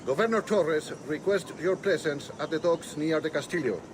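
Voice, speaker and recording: An actor playing a messenger who delivers an order in a formal, announcing way. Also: male voice, a little high, normal speed, background noise, natural voice. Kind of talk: video game cutscene acting.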